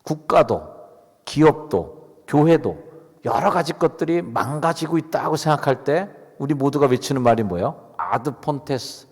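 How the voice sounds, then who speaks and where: A man's voice: fairly high pitch, expressive, normal speed, darkish tone, breathy edge. A middle-aged man, a pastor, preaching a sermon in a conversational, chatty way, asking the congregation questions. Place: church sanctuary. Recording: long reverb of a church hall.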